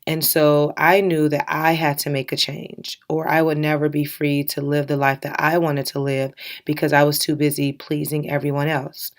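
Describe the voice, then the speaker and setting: A woman in her thirties hosting a solo self-help podcast, candid and encouraging, laughing now and then, her voice a little raspy from recording early in the morning. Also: deep voice. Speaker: podcast host.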